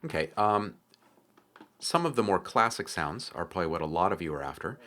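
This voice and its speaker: A man hosting a casual software tutorial, explaining things informally with frequent hesitations. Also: low voice, big pitch swings, brisk. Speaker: tutorial host.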